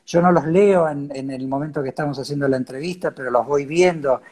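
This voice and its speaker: A man in his fifties with a Cordoba Argentine Spanish accent, hosting a conversational interview in a halting manner on a video call. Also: on the high side, darkish tone, slightly rough. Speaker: interview host.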